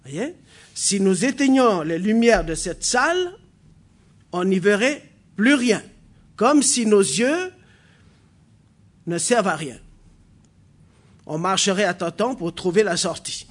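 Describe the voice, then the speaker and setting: Man, preacher, from New Caledonia, non-native speaker, sermon in a church hall, unhurried delivery, halting with fillers then emphatic. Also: high-pitched, lively intonation. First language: a New Caledonian language.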